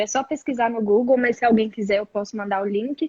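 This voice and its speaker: A woman talks with ordinary pitch variation in a dry, close sound with no echo. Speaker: education researcher, master's student. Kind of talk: live video chat about teaching methods. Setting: online live stream.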